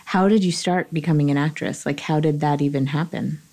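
A woman hosting a podcast, reading a scripted intro and then asking interview questions in a steady manner. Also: low-pitched, a little fast. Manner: steady, reads the intro then prompts with short "mm-hmm"s. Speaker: podcast host.

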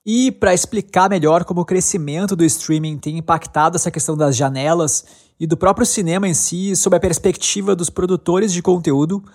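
A man's voice: high voice, moderate pace, a little mellow. A man with a Brazilian accent hosting a podcast in an informal, agreeable way. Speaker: podcast host. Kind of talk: casual podcast chat.

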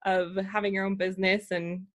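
A woman's voice: mid-range voice, little pitch movement, normal speed. A woman hosting a business podcast, upbeat and chatty, with a lot of "like" fillers. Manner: upbeat, uses many fillers like "like". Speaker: podcast host. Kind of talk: scripted intro then casual interview.

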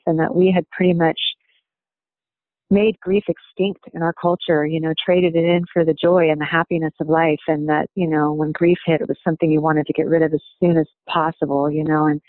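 A woman telling a personal story in an interview, reflective and halting, often pausing with "you know.". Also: low voice, no echo. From United States. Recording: dry, tinny phone-like sound.

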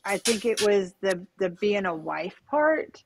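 Slow, hesitant woman podcast guest. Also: mid-range voice, sing-song, background noise. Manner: hesitant, lots of fillers and restarts. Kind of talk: candid conversational storytelling.

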